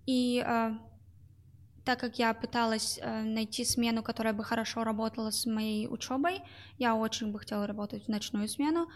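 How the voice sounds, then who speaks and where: A woman's voice: a little high, fairly even intonation, normal speed. A young woman, a guest in an interview, describing her work at a call center, speaking with many hesitations and fillers. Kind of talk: interview answers.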